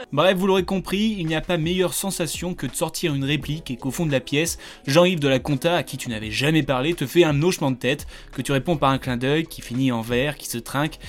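A man hosting a podcast, joking through a scripted intro and then chatting casually in a wry manner. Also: a little high. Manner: wry, joking, full of wordplay. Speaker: podcast host.

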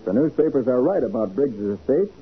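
Animated, assured radio detective. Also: male voice, medium pitch, brisk. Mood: assured, emphatic. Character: assured, earnest male master detective. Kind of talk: 1940s radio acting. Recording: muffled, hissy 1940s radio recording.

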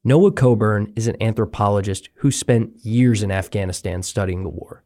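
A man hosting a documentary podcast, reading scripted narration in a measured, even way. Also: lowish voice, no room sound, clean studio sound. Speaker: podcast host.

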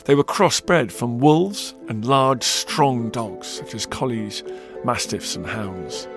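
A man narrating a historical documentary in a measured storytelling way that slows for emphasis. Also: mid-range voice, music in the background.

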